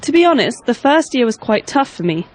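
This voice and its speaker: A woman's voice: fairly high pitch, big pitch swings, fairly quick. A woman playing a candid job candidate. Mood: earnest. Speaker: interviewee in a scripted dialogue. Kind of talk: scripted dialogue.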